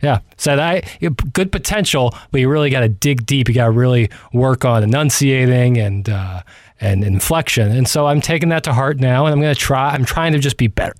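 A man's voice: mid-range voice, brisk, dry recording, studio quality. A man co-hosting sports radio, chatting casually in a self-deprecating, mock-earnest way. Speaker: radio producer and co-host. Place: radio studio. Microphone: close studio microphone.

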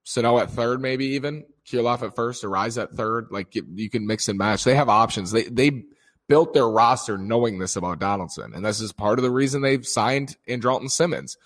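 A man with a strained, hoarse voice giving a casual, rambling recap of a baseball game, with lots of fillers and restarts. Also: mid-range voice, brisk. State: strained voice from screaming. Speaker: sports commentator.

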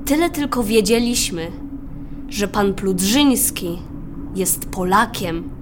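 A young female performer playing a storyteller, narrating a radio play in a measured way. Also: mid-range voice, expressive, background noise. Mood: reflective. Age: child or teenager. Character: storyteller recalling a mining town's rumours.

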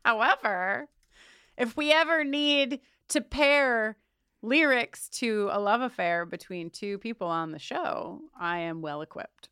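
Smooth-voiced chatty woman podcast host. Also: on the high side, slow, sharp tone, no echo, clean studio sound. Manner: chatty, laughing, playful. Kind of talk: casual chat.

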